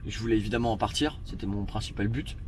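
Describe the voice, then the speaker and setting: A man's voice: on the low side, fast talker, slight background noise. A man in his fifties from the Paris suburbs, talking reflectively in a casual personal interview and often searching for his words. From France, Paris western suburbs. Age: 50s. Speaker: interview guest, magazine editorial director.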